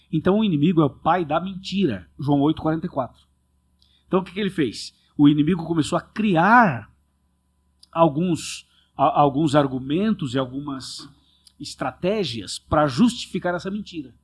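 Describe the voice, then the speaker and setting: A man's voice: a little high, husky. A man, a pastor hosting a podcast, explaining Bible teaching in an earnest, emphatic way full of rhetorical questions.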